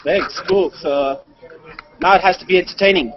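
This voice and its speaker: A man's voice: high voice, normal speed, background noise. A man live-streaming a video blog on his way to a convention, chatting casually with many fillers and restarts. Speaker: video blogger. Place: walking through a busy convention and monorail. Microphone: head-mounted display mic. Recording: dull lo-fi live stream with crowd behind.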